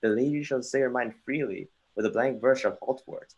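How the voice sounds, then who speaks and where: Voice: mid-range voice, a little fast, a little mellow, breathy edge, highs cut off. An actor reading a melancholy, theatrical young prince. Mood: curious, wry. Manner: theatrical, declamatory, with occasional stumbles. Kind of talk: dramatic reading of Shakespeare. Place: remote livestream from home.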